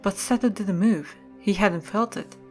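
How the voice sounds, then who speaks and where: Female story narrator over soft music. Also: mid-range voice, a little slow. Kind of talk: scripted story narration for an audio drama.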